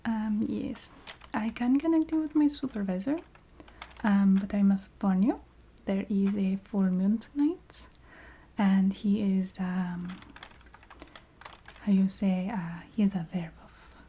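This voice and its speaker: A woman playing a courteous, matter-of-fact vampire receptionist in a soft-spoken ASMR roleplay, half-whispering in a put-on Eastern European accent with halting, formal phrasing. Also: mid-range voice, breathy edge. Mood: polite, regretful. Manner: halting, formal phrasing with small hesitant hums.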